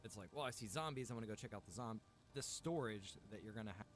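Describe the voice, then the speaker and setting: A man's voice: lowish voice, animated, quick pace. A man giving an informal guide, explaining things in a conversational way. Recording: noisy recording played back.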